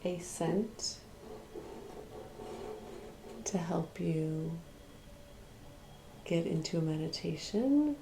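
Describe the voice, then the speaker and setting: A woman guiding an ASMR meditation as a Reiki practitioner, speaking in a soft, hushed, soothing way with long pauses and occasional whispering. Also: on the low side, lively intonation, background noise.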